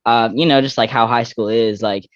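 A man's voice: mid-range voice, steady tone, normal speed, no echo, muffled recording. A young trans man in his twenties, a guest in a candid interview, talking reflectively with frequent fillers and restarts. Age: young adult.

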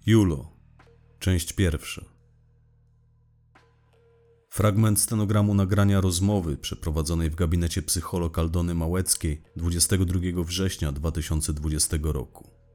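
A man's voice: sits low, fairly even intonation, moderate pace, dark tone, soft background music. A man hosting and narrating an audio drama podcast in a scripted style.

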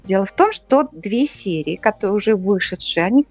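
A woman's voice: mid-range voice, a little fast, muffled recording, soft background music. A woman co-hosting a podcast, casually talking through TV episodes and explaining each plot step by step. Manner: lively, explains plots step by step. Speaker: podcast co-host. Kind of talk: casual TV review chat.

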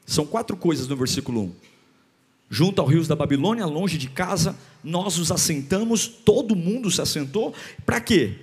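Impassioned high-voiced preacher. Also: male voice, lively intonation, normal speed, big-room sound. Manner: impassioned preaching with swings between loud and hushed; rhythmic repetition, calls for congregation to repeat. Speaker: pastor. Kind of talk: sermon.

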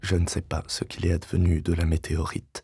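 An actor playing an obsessive, vengeful widower in a French audio-drama monologue, solemn, grandiloquent and deliberate, often sinking into breathy whispers. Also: male voice, low-pitched, monotone, warm tone, exaggerated voice. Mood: solemn, grieving. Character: obsessive, vengeful widower, grandiloquent, haunted by his lost wife. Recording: binaural recording with music.

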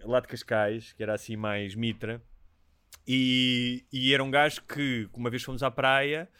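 A man's voice: mid-range voice, moderate pace, clear, resonant tone, no echo, studio quality. A Portuguese man in his forties with a European Portuguese accent, chatting casually and telling stories with lots of "não é?" tags. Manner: storytelling, animated, with frequent "não é?" tags. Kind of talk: casual chat.

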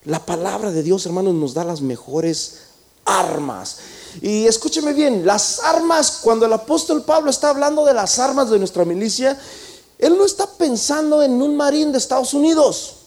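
A man's voice: very high voice, lively intonation, normal speed, darkish tone. A man preaching a sermon, telling a story dramatically and asking the congregation rhetorical questions.

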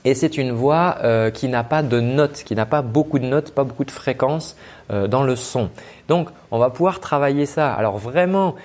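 A man working as a vocal coach, giving a spoken lesson with frequent hesitations and demonstrating flat and lively ways of speaking. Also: medium pitch, normal speed.

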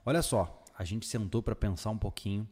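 A man hosting a casual podcast, relaxed and joking, recorded in a bare new house whose room still echoes. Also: fairly low pitch, a little fast, slightly rough. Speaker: podcast host. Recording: long echo from a bare room.

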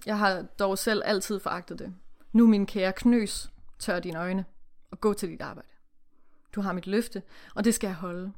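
A man's voice: sits high, fairly even intonation. Give me a woman reading a formal, polite young master in a storybook. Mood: moved. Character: young wealthy slave master, remorseful drinker.

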